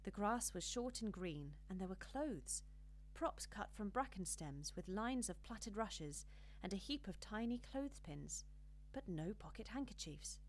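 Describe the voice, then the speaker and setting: A woman reading a children's storybook as an audiobook narrator, with an expressive, measured storytelling delivery. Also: medium pitch, slight background noise.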